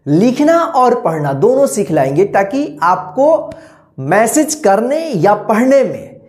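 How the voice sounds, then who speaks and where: A woman teaching an online reading lesson at a middling pitch. She explains patiently and repeats herself. She stretches and spells out words, and she often stops to check that the class is following. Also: big pitch swings, measured pace, darkish tone.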